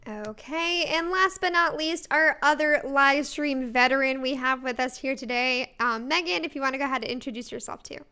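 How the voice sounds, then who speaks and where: A woman's voice: high-pitched, normal speed, few pauses, bright, forceful tone. A young woman moderating a student panel on a video call live stream, chatty and friendly with some fillers. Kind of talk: casual live stream hosting.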